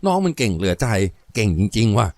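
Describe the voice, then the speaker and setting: A man voicing a gentle, charming elder brother in a deep, soft voice. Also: sing-song, quick pace, creaky, no echo. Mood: tender.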